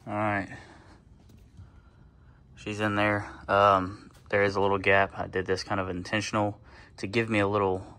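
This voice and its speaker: A man, talking through his garage fabrication work in a relaxed, rambling way, full of fillers. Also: on the low side, moderate pace, long pauses. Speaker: fabricator and channel host. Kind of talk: casual shop vlog. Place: garage workshop.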